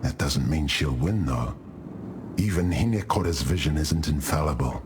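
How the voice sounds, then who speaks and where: A man's voice: a bass voice, animated, moderate pace, noisy background. An actor playing a boisterous, boastful tribal warrior spirit restored to his prime in a video game, with a jovial, teasing storytelling manner. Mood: wry, musing. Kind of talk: video game character dialogue. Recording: music under the voice.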